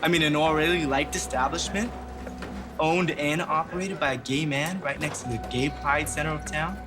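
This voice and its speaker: An actor playing an assertive gay protest organizer, speaking pointedly and insistently in a film. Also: male voice, on the high side, normal speed, over music, natural voice. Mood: insistent, confident. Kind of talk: film dialogue.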